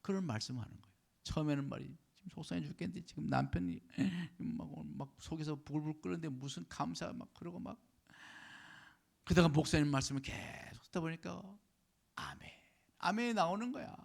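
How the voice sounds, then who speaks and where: A male pastor delivering a Sunday sermon at a church service, dropping to hushed whispers and rising to loud, emphatic declarations while prompting the congregation for responses. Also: fairly high pitch, brisk, vocal fry.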